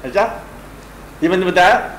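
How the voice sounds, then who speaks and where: A man's voice: high voice, fairly bright tone, slight background noise. Man giving an echoey spiritual talk. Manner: keeps checking if listeners have understood. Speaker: spiritual teacher addressing a gathering. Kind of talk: religious discourse, conversational storytelling. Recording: echoey room with faint ambience.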